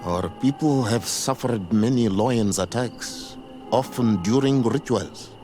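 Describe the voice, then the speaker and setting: An actor playing a grave, dignified tribal spiritual mentor in a video game, speaking in a solemn, measured, formal way. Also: male voice, medium pitch, darkish tone, close to an everyday voice. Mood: wary. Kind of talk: video game dialogue acting. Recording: music behind the voice.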